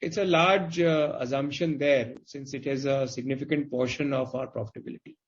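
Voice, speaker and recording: The audio is dull and band-limited, like a conference line. A man of middling pitch answers investors as a company executive. He works through his explanations haltingly, with many qualifications. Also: fairly even intonation, slight background noise. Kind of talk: earnings call answers. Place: conference call.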